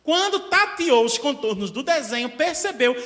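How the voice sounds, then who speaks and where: A man with a Brazilian accent delivers a spiritist lecture in a chatty style and keeps checking in with the audience. His voice is high, bright and very lively. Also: moderate pace. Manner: animated, conversational, asks the audience often.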